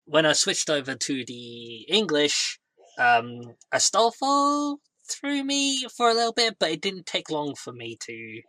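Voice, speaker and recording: Bright, dry-sounding man, halting. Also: fairly high pitch, sing-song, no room sound. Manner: halting, with many fillers and restarts. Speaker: podcast co-host. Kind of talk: casual podcast chat.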